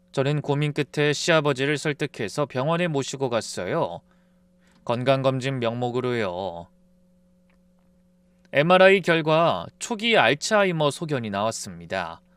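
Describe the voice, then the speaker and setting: A man narrating a first-person family drama story in a calm, confiding tone, close to the mic. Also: medium pitch, smooth, no echo.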